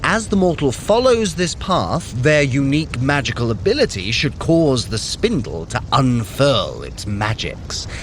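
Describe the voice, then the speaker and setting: A flamboyant, scheming trickster god for an audio drama. He sounds vain and self-satisfied, his pitch sweeping dramatically up and down over a clear rumbling backdrop. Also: big pitch swings, measured pace, few pauses, a little hiss or hum. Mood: smug. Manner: self-satisfied, theatrical, formal phrasing. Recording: rumbling ambience behind the voice.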